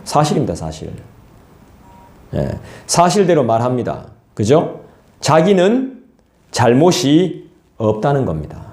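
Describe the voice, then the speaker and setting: A male pastor, preaching an expository sermon in a lively, colloquial way and talking straight to the congregation. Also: mid-range voice, unhurried, long pauses. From South Korea. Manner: lively, colloquial, acts out scolding voices and asides to the congregation. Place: church sanctuary. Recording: echoey church hall.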